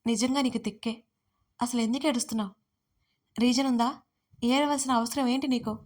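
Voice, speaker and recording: A woman's voice: a little high, steady tone, moderate pace, darkish tone, lightly acted. A woman voicing an irritable young man who scolds sharply, read in an audio story. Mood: irritated. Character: young man, irritable hot-tempered husband.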